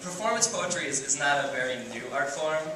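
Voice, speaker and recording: A man speaks with a fairly high pitch. Noticeable background noise runs beneath him. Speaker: spoken word poet. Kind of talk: casual talk to school assembly.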